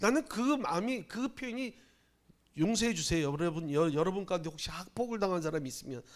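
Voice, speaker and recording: Animated in tone, a man speaks at a fairly quick pace in a high pitch, with very wide pitch swings. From Gyeongsang Province, Korea. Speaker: pastor. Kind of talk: sermon. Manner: conversational, animated.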